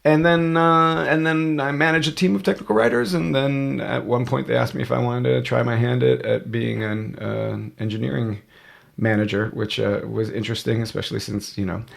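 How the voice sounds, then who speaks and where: A man's voice: medium pitch, steady tone, normal speed, gravelly. A man in his forties, a podcast guest telling his story in a rambling, casual way with many fillers and restarts. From United States. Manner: rambling, self-correcting storyteller with frequent fillers. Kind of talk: casual conversational interview.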